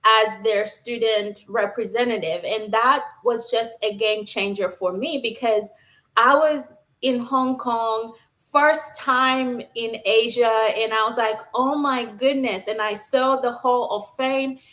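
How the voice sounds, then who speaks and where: A woman's voice: a little high, slow, fairly bright tone. A woman from Zambia, a nurse scientist, telling her career story in an earnest, enthusiastic conversational way. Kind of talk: conversational interview.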